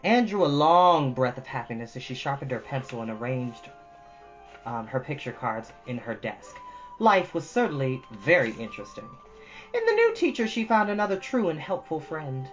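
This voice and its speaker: A woman with a very low voice hosts a storytime, moving between chatty asides and expressive reading. She is earnest and encouraging. The recording is a little dull, with music underneath. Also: normal speed. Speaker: storytime host and reader. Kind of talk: casual chat and expressive book reading. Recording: dull lo-fi audio with music behind.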